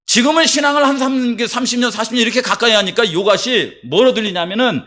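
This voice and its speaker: A man preaching a sermon in a high-pitched voice. He keeps asking his congregation questions and tells stories with emphasis. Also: fast talker, pushed and bright. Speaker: pastor.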